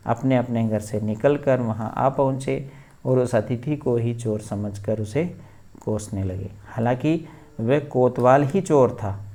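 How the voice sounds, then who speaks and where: A male teacher explains a textbook lesson line by line. He speaks slowly and deliberately, at a medium pitch, stopping to spell out word meanings. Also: warm tone.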